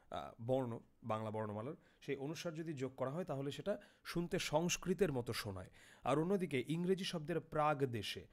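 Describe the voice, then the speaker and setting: A young man teaching a literary text, reading a passage aloud and then explaining each word with questions. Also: mid-range voice.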